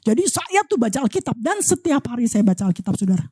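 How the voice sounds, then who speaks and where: A woman's voice: a little high, fast talker, slightly rough, dry recording, studio quality. A woman preaching a sermon in church, talking animatedly and calling out to the congregation again and again. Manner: animated, addresses congregation as "Saudara" constantly.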